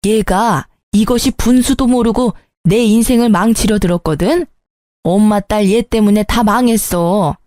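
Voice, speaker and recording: Brief: spiteful sister-in-law, shrill and whiny, dark mellow tone, dry close sound, voiced by a woman narrator. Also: a little slow, dry recording, close to an everyday voice. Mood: whining.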